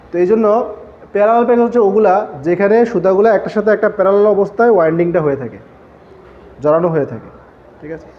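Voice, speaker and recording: Quick, high-voiced man lecturing a class. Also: muffled recording. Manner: explains step by step, asks the class questions and answers them himself. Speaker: textile engineering lecturer.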